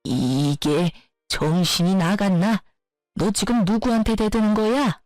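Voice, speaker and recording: A woman's voice: mid-range voice, takes it slowly, dry recording, faint music behind, lightly acted, rough recording. A woman doing a scornful bullying mother-in-law. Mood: yelling. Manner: scolding, contemptuous, shouting. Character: domineering, insulting older mother-in-law.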